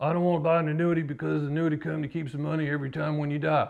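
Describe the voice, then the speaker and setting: A man talks at a very fast pace in a put-on character voice, whiny and fairly high-pitched, with monotone, flat intonation. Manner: whiny, complaining.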